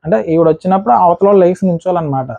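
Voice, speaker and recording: A man recapping a reality show episode in a casual, rapid way, acting out what the contestants said. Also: high voice, dark tone, no room sound, muffled recording.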